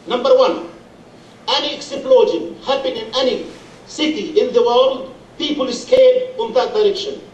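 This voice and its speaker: A man's voice: very high voice, lively intonation, moderate pace, dull audio, slight background noise. A man from Gaza with a Palestinian Arabic accent, giving an earnest public speech and listing his points by number. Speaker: charity speaker. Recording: echoey hall, distant mic.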